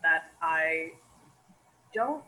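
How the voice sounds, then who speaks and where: A woman's voice: deep voice, lively intonation, drawn-out words, pushed and bright, slight background noise, rough recording. A young American woman telling her personal story in a casual, rambling and reflective way. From United States. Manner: rambling, reflective, many "you know" fillers.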